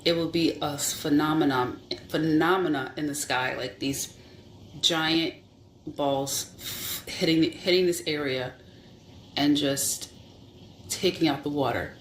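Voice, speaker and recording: A Christian person sharing a vision as a spiritual testimony, halting, searching for words and repeating phrases. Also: medium pitch, fairly even intonation, fairly bright tone. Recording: roomy echo with faint background hum.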